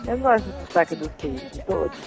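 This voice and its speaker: A woman's voice: lowish voice, lively intonation, fast, vocal fry, music in the background. A woman in casual chat, agreeable and chiming in.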